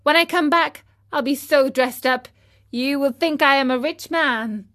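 A woman's voice: high-pitched, big pitch swings, fairly bright tone, pitched above the performer's own voice, heavily acted. A woman voicing an eager, earnest wooden puppet boy who talks in breathless, pleading bursts. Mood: excited. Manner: breathless, pleading, rapid questions.

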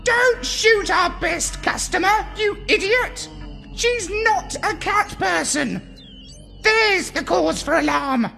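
Shrill, squawking bossy parrot. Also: male voice, lively intonation, takes it slowly, vocal fry, bright, forceful tone, big-room sound, faint music behind, exaggerated voice. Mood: frantic scolding. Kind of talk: children's storybook character voice.

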